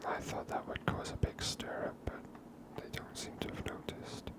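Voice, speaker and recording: A gaming ASMR host whispers throughout. The commentary is hushed and unhurried, thinking aloud step by step, spoken close to the microphone.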